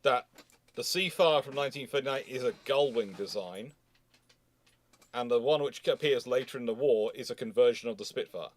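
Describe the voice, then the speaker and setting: A man's voice: medium pitch, moderate pace. A man hosting a casual history discussion, rambling and often repeating words as he goes. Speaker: live stream host.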